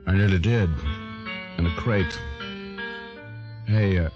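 Wisecracking private eye, very deep voice, sarcastic, music underneath, old radio drama. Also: male voice, slow pace, lo-fi sound. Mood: wry. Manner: wry, sarcastic. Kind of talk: 1940s radio acting.

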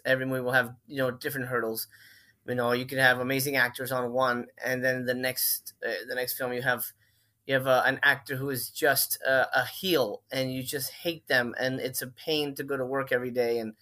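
A man's voice: mid-range voice, sharp tone. A man in his forties from Miami, a filmmaker guest telling stories in a casual, rambling interview, often correcting himself. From Miami, Florida. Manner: rambling, self-correcting storyteller.

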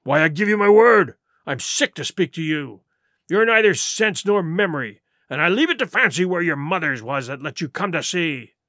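A man's voice: high-pitched, very animated, measured pace, bright, forceful tone, dry recording, studio quality, pitched above the performer's own voice, heavily acted. A man voicing a cunning, scornful pirate sea cook in an audiobook, with emphatic, sarcastic speech in rustic nautical dialect. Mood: scornful, heated. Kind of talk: audiobook character acting.

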